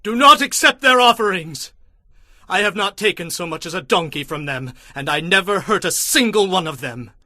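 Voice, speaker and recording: Moses, bright, forceful high-voiced prophet. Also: male voice, expressive, normal speed, no echo, exaggerated voice. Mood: angry. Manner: emphatic, commanding, declamatory. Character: Moses, stern, indignant Hebrew prophet and leader. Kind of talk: dramatized scripture acting.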